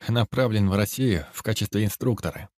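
A man voicing a polite, cooperative captured British airman, a young father, answering calmly and plainly. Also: on the low side, brisk, dry recording, studio quality, natural voice. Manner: calm, cooperative, matter-of-fact.

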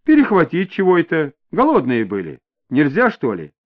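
A man's voice: fairly high pitch, wildly swooping pitch, moderate pace. Man voicing a snarling young thug. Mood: truculent. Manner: rude, snarling street slang. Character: hostile young male petty thug under interrogation. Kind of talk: audiobook character voice. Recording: dull lo-fi audio.

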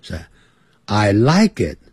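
A middle-aged male teacher gives a radio English lesson. His voice is slightly husky, and his pitch swings up and down a lot as he patiently drills each word again and again. The sound is dry and close, from a studio. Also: huge pitch swings, slow pace, dry recording. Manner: patient, repeats words for drilling.

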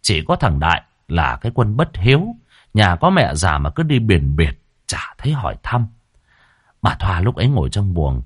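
A man, narrating a folksy ghost story in a lively, colloquial way. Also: on the low side, slightly rough, dry recording, clean studio sound.

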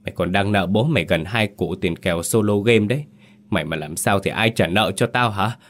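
A man's voice: fairly low pitch, fairly quick, a bit bright. A man voicing a panicky young man who whines over his unconscious friend. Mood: whining.

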